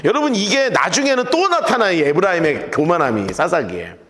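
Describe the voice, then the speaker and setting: A male pastor giving an animated, joking, conversational sermon and telling listeners what to note in their Bibles. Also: high voice, fairly quick. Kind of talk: sermon with Bible study notes.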